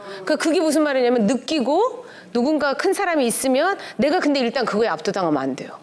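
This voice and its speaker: Lively middle-aged woman teaching a class. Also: high-pitched, quick pace. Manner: lively, acts out quoted dialogue with shifting tones. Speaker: pastor's wife teaching a church class. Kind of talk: conversational lecture on family relationships.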